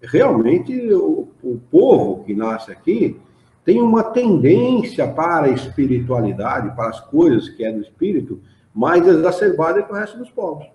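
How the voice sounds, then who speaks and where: A Brazilian man leads a study group in an echoey hall, his voice swooping up and down as he chats and reads aloud. His tone is dark and mellow. The recording sounds muffled and dull. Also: a little high, normal speed. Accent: Brazilian Portuguese. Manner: animated, chatty, asks the group for agreement. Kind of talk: informal study talk and reading aloud. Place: study hall of a spiritist association.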